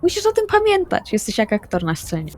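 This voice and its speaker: A woman's voice: very high-pitched, huge pitch swings, fairly quick, a little mellow, faint music behind, pitched above the performer's own voice, full character voice. A woman voicing an eccentric, protective vampire in an audio roleplay, motherly, cryptic and insistent.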